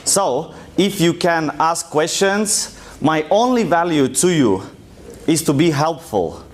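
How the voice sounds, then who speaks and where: A man's voice: a little high, expressive, slow. A young man from Russia with a thick Russian accent, giving a joking, loosely told presentation to an audience in a lecture room. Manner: casual, joking, loose storytelling. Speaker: conference speaker. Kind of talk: live presentation talk.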